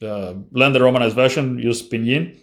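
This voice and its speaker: In a laid-back Q&A, a man who hosts a language-learning channel responds to viewers' questions bluntly and casually, restarting often. He talks at an ordinary speed in a mid-range voice.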